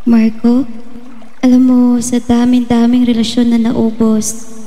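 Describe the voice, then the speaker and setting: An actress as a young woman in love in an audio drama, with a very dark, velvety, highish voice. She speaks gently and earnestly, soft and steadfast, in long reverb over music. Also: monotone, a little slow, lightly acted. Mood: tender, loving. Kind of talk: Filipino audio drama acting, intimate dialogue.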